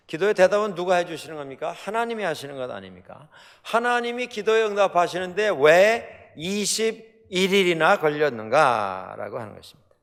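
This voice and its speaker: Speaking with a slightly high, gravelly voice, this middle-aged Korean man from Chungcheong in South Korea delivers a sermon as pastor, spinning stories full of fillers and rhetorical questions. The church sanctuary gives the recording a hall reverb.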